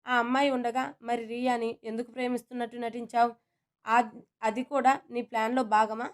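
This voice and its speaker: A woman reading a storybook and voicing a calm, commanding young man who questions with sarcasm and sternness. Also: extremely high pitch, normal speed, clean tone. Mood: stern.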